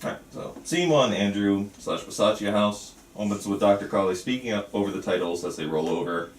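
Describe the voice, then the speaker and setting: A man's voice: fairly low pitch, brisk. A man leading a script table read as filmmaker, talking casually and reading out stage directions. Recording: roomy, distant, faint background noise.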